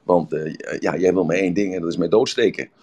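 A man voicing a cautious, slow male turtle from a fable, wary and reasoning. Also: sits low, steady tone, mellow.

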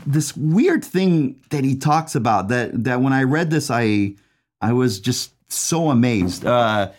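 A man giving a casual, chatty book review, often asking "right?" and reading a passage aloud. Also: a little high. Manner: chatty, tag questions, reads passage aloud.

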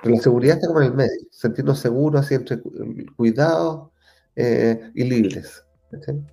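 A man from Chile with a Chilean accent, talking as an interview guest in a thoughtful way, often pausing and restarting as he searches for words. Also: medium pitch, creaky, mellow. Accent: Chilean Spanish. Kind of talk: reflective conversational interview.

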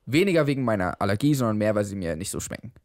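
Young guy talking fast with lots of ups and downs, dry close mic, acts out what people said. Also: fairly low pitch, no echo. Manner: quick, lively anecdote telling with acted-out quotes. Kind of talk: casual chat.

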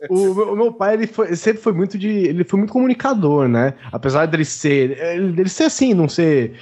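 A man in his thirties, a podcast co-host, telling animated stories in casual chat and swearing freely. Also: sits high, a little fast.

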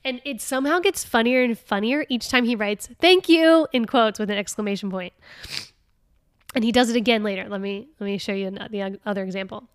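A woman hosting a casual solo podcast, chatty and laughing often, reading passages aloud with lively expression. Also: mid-range voice, brisk, clear, resonant tone, dry recording, clean studio sound. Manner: chatty, laughing often, with many fillers and restarts. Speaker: podcast host.

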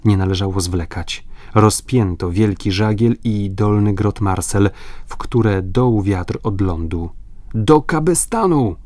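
Low-voiced male audiobook narrator. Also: steady tone, dark tone, no room sound. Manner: measured literary reading. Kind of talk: scripted narration.

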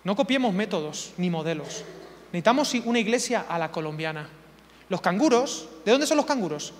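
High-voiced preacher in a reverberant hall. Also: male voice, expressive, a little fast, a little hiss or hum. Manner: emphatic, rhetorical questions, repeats key words. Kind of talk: sermon.

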